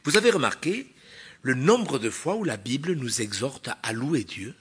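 A man preaching a sermon in a church, emphatic, swinging from loud stresses to quiet asides and asking the congregation rhetorical questions. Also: medium pitch, sing-song, moderate pace, breathy edge.

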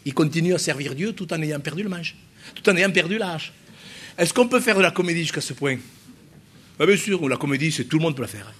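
A man's voice: fairly high pitch, animated, fairly quick, fairly bright tone, slightly rough. A middle-aged man, a pastor preaching a sermon at a church service, emphatic and repetitive, full of rhetorical questions.

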